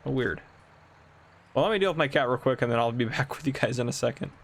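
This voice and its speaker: A man in his 20s, host of a gaming channel, gives casual gameplay commentary while playing a farming game in a room at home. His mid-range voice is animated and fast, and he rambles and laughs often.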